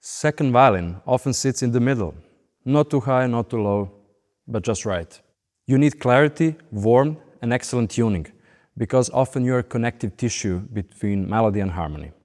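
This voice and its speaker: A man in his late thirties with a Serbian accent, speaking as an interviewed musician in short, deliberate phrases. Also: mid-range voice, lively intonation, a little mellow. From Belgrade, Serbia. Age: late 30s. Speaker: professional orchestral violinist being interviewed. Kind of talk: interview monologue. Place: large recording hall. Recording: long hall reverb.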